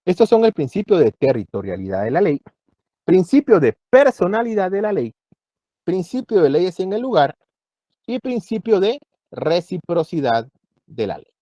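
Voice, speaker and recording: A man teaching a university law class, explaining each point slowly and checking in with his students again and again. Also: high-pitched, sing-song, warm tone, no room sound. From Guatemala. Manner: explanatory, checks understanding with frequent "¿verdad?". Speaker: law lecturer. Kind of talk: university lecture.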